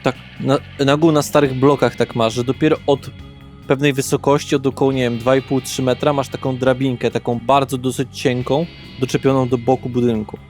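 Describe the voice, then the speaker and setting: A man's voice: medium pitch, flat delivery, brisk, darkish tone. A man narrating a tabletop roleplaying session as game master, explaining things in a conversational way. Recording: background music with guitar. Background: guitar music.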